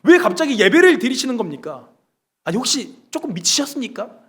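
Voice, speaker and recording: A preacher playing a bewildered royal servant. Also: male voice, very high voice, very animated, fairly quick, fairly bright tone, heavily acted. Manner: bewildered, questioning. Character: puzzled royal servants questioning their king.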